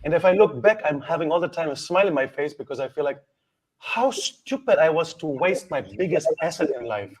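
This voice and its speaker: A man's voice: a little high, animated, fairly quick. Frank male guest. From Greece. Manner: frank, loose phrasing, blunt and reflective. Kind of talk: candid conversational interview answer.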